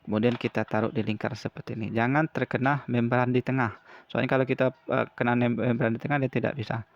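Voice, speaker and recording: A man explaining a hands-on repair step by step in an informal, halting, repetitive way. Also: medium pitch, little pitch movement, muffled recording. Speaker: repair tutorial presenter.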